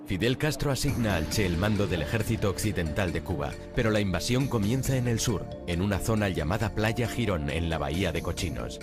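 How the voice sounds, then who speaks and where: A man's voice: low voice, lively intonation, a little fast, hardly any pauses, music in the background. A man reading scripted narration for a documentary.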